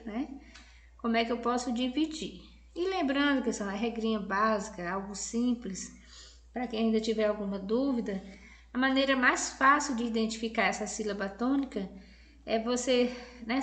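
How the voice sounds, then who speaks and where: A woman's voice: a little high, fairly bright tone, reverberant. A Brazilian woman teacher giving a recorded video lesson in a friendly, patient way, often checking in with her students. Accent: Brazilian Portuguese.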